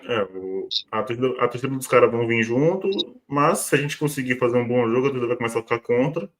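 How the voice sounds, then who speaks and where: A man's voice: mid-range voice, fast. A man giving his frank, repetitive opinions in casual pre-match football talk. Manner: opinionated, repeats himself. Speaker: fan channel pundit.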